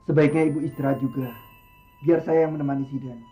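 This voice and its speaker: An actor playing a patient Muslim religious teacher in a television drama, counselling and admonishing calmly. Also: male voice, medium pitch, fast, lightly acted. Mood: reassuring. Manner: calm, admonishing. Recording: music behind dialogue.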